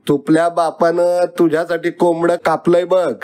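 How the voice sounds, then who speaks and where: A man voicing a busy rural mother who talks briskly in a rustic way. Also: on the high side, level tone, a little mellow, voice pushed up, lightly acted.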